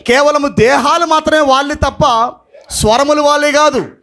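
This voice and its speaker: Fiery high-voiced male pastor. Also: steady tone, normal speed, a little hiss or hum. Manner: impassioned, mixing English phrases, shouting emphatic lines. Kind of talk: sermon.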